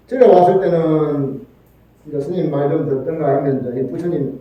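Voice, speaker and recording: A man speaks fairly slowly in a Gyeongsang accent, with ordinary pitch variation. Room echo is audible. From South Korea, Sancheong, South Gyeongsang. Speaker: Buddhist monk. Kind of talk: dharma talk. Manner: conversational.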